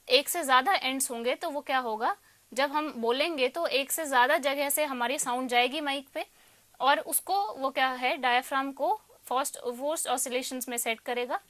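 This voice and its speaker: Female tutor, Indian accent, high pitch, didactic question-and-answer lecture delivery, dry sound. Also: a bit bright, dry recording. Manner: didactic, poses questions then answers them. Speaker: electronics tutor. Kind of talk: explanatory lecture mixing Hindi and English.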